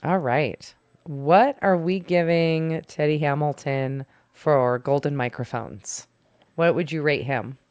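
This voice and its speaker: Female podcast host, low smooth voice, dry close sound, brisk lead. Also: darkish tone, dry recording. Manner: brisk, leads the segment, laughs often. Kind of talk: casual chat.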